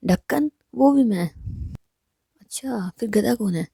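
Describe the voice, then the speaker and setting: Woman narrator as a sulky, teasing young woman, husky whisper, dry close sound. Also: a little high, expressive, slow, mellow, no room sound, exaggerated voice. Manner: whispered, scolding.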